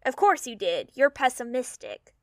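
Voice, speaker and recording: A woman's voice: sits high, big pitch swings, moderate pace, no echo, clean studio sound. A woman playing a weary, protective young traveller in an audio drama, casual and blunt in delivery. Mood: firm. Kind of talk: naturalistic audio drama acting.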